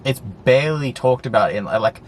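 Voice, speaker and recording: A man's voice: mid-range voice, expressive, normal speed, slight background noise. A young man chatting casually with a friend, candid and rambling, swearing freely. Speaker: guest best friend. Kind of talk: casual chat.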